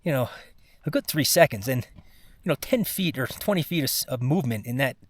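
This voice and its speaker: A man giving a casual first-person vlog monologue, sounding exhausted, with a weary, halting, rambling way of talking. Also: medium pitch, lively intonation. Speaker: mountain climber recording a personal expedition vlog.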